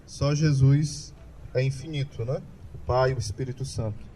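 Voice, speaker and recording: A man's voice: mid-range voice, steady tone, normal speed, mellow, slight background noise. A man with a Brazilian Portuguese accent giving a catechetical talk about the Mass, often asking the audience questions and answering them himself. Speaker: Catholic lay preacher.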